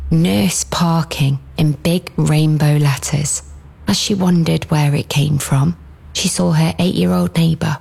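A woman narrating a short story for an advert, gentle and measured. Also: low-pitched, vocal fry, husky. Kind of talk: scripted ad storytelling.

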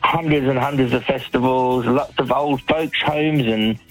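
A man's voice: medium pitch, fairly even intonation, unhurried, faint music behind, poor audio. Chatty male storyteller calling in. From Australia. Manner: chatty, anecdotal, with frequent ums and restarts. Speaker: caller, professional storyteller. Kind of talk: telling his life story on a radio phone-in.

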